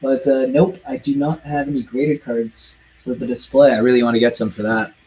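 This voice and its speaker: A man chatting casually on a live stream, rushing in quick bursts and stumbling over foreign words. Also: mid-range voice, little pitch movement, a little mellow, husky, lo-fi sound. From Canada.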